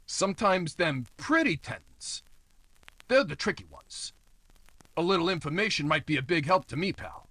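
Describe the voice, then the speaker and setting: Man acting a husky, nosy, scheming building manager. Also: a little high, animated, measured pace, long pauses, sharp tone, no room sound, heavily acted. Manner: wheedling tough-guy slang, falsely chummy. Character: nosy, slimy, scheming male apartment house manager. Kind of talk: old-time radio noir acting.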